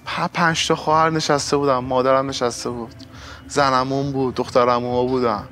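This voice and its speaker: A man telling a comic story in a sketch show, acting out the quotes with big swings from meek mumbling to shouting. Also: medium pitch, little pitch movement.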